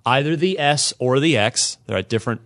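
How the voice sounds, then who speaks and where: A man hosting a casual gaming podcast, talking with his co-hosts and often halting and restarting mid-sentence. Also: medium pitch, dry recording, studio quality. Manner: somber and halting, then lively and animated. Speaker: podcast host.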